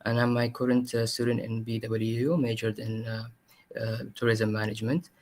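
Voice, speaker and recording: A man's voice: mid-range voice, little pitch movement, moderate pace, a little mellow. A young man from Eritrea giving a student presentation online, hesitant and full of fillers.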